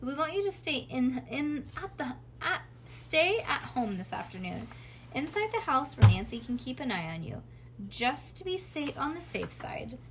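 A woman voicing a patient mother, calm and reassuring but firm, in a children's story. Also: high-pitched, moderate pace, background noise, pitched above the performer's own voice.

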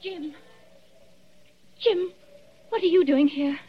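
A startled, high-voiced wife. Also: female voice, takes it slowly. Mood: surprised. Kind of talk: 1940s radio acting. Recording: dull lo-fi vintage radio recording.

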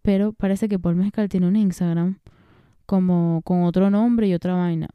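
A woman's voice: lowish voice, fairly even intonation, moderate pace, smooth, no echo, highs cut off. A young woman hosting a chatty, digressive podcast, laughing often as she talks. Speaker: podcast host. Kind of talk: casual chat.

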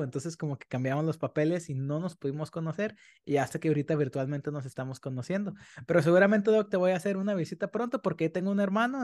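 A man's voice: on the high side, darkish tone. A man hosting a podcast, asking chatty, rambling questions. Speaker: podcast host. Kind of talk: casual interview.

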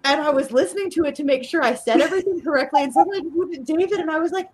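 A woman's voice: high-pitched, very fast. A woman with a slight Ohio River Valley accent, rambling and amused in podcast chat.

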